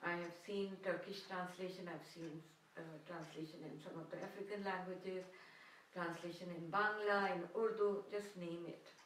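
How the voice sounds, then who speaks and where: A woman's monotone, flat speech with light background noise and audible room echo. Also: moderate pace. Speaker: feminist activist. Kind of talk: recorded tribute message. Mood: warm, reflective. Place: home room. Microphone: webcam.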